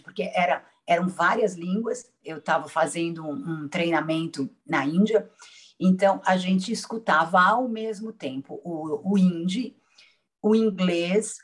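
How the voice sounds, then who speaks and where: A woman from Brazil, a patient, telling her experience in a casual roundtable, reflective and hesitant with restarts. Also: mid-range voice.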